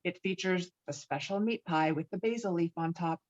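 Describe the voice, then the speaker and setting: A woman's voice: fairly low pitch, normal speed, darkish tone. A woman reading out stage directions as scripted screenplay narration. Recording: dull, muffled remote-call audio.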